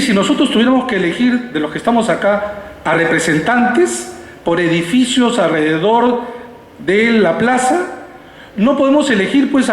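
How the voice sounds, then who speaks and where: A man with a Peruvian Spanish accent giving a public lecture, explaining in a didactic way with rhetorical questions and checking in with his listeners. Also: high voice. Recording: echoey reverberant hall, background noise.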